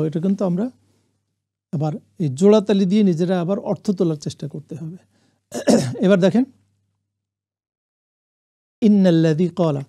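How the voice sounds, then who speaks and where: A man teaching the meaning of Quranic Arabic words, reciting phrases slowly for listeners to repeat and adding English glosses. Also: high voice, vocal fry, dark tone, husky. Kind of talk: classroom lesson on Quranic Arabic.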